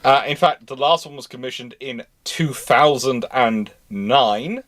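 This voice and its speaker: A man's voice: medium pitch, a little slow, fairly bright tone. A man in a casual live discussion of naval history, talking in a detailed, pedantic way. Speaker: live show panellist answering naval history questions.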